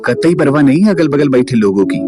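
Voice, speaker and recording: A man's voice: mid-range voice, expressive, fairly quick, natural voice. A man voicing a cheeky, joking young man in a storybook reading. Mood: grumbling. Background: music.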